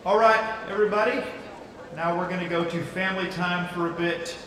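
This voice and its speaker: An actor playing an earnest youth church camp leader who addresses a congregation with pauses and casual preacherly phrasing. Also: male voice, high voice, fairly even intonation, noisy background, natural voice. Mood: loud, directing. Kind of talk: audio drama acting, leading prayer and addressing a congregation. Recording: echoey hall, far from the mic.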